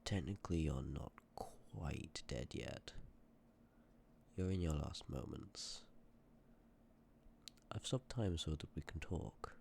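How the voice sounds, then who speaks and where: A man playing a sympathetic, courteous Death in an ASMR roleplay, speaking with measured, formal politeness and often dropping toward a breathy whisper. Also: rumbling low, darkish tone, slight background noise, heavily acted. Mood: gentle, solemn. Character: sympathetic, courteous personification of Death, calm and ancient. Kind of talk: ASMR roleplay, scripted acting addressed to listener.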